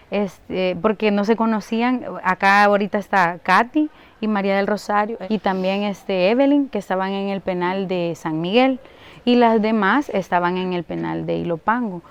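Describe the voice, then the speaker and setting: A woman with a Salvadoran accent, an advocate for a women's collective, explaining things to a group with many fillers and pauses. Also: mid-range voice, clean tone, lo-fi sound. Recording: noisy on-location recording.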